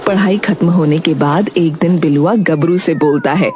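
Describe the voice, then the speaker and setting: A woman narrating a cartoon story in a plain, even storytelling manner. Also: low voice, moderate pace. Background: background music.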